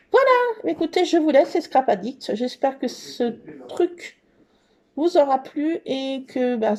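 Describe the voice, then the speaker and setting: A woman's voice: on the high side, vocal fry, mellow, slight background noise. A woman hosting a scrapbooking channel, chatting casually and gushing as she works at a craft table and talks to herself along the way. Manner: bubbly, gushing. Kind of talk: casual craft tutorial chat.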